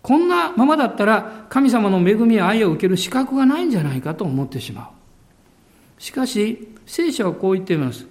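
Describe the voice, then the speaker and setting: A male pastor preaching a sermon with emphasis, drawing out key words slowly. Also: high-pitched, very animated.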